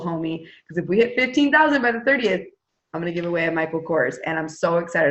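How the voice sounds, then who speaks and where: A woman's voice: low voice, fairly bright tone, muffled recording. A woman leading a team meeting on a video call, chatty and upbeat as she hypes up sales goals and runs prize drawings. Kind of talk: casual enthusiastic pep talk on a video call.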